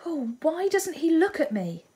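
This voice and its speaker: A woman's voice: extremely high pitch, big pitch swings, measured pace, mellow, slight background noise, pitched above the performer's own voice, heavily acted. A woman voicing a heartbroken, impulsive young woman who pleads in tearful, dramatic outbursts. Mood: distraught. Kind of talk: audiobook character reading.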